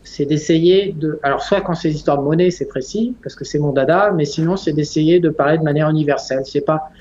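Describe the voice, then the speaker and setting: A man in his forties who talks bluntly and rambles, his voice sitting a little high. He laughs often and swears casually. The recording sounds dull and lo-fi. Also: fairly quick, darkish tone, slight background noise. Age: 40s. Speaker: interview guest. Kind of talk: casual conversation.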